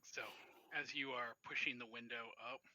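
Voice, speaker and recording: A man narrating a tabletop role-playing game as game master, explaining scenes and rules in a halting way. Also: mid-range voice, flat delivery, sharp tone, a little hiss or hum, low-quality recording.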